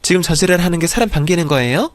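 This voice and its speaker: A man reads as a middle-aged mother with a sharp, scornful tongue, snapping back in a dramatized story. The voice sits a little high for a man. The recording is dry and close, with no room around it. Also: animated, quick pace, dry recording, lightly acted. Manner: snapping, scolding.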